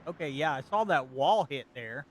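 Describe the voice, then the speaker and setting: A chatty man doing color commentary for an online truck race, his pitch bouncing up and down and a little high. He often stammers as he starts a sentence. A steady noise runs under the recording. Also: moderate pace. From United States.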